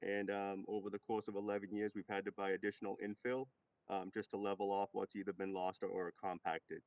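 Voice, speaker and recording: A man's voice: on the low side, level tone, a little fast, darkish tone, no room sound. A man hesitantly giving a matter-of-fact explanation at a public meeting, recorded at a distance with dull sound.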